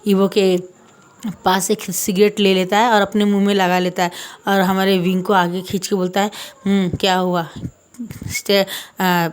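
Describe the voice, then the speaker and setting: A woman's voice: mid-range voice, a little mellow. A woman casually retelling a fan story, chatting through it and reading every character in her own plain voice.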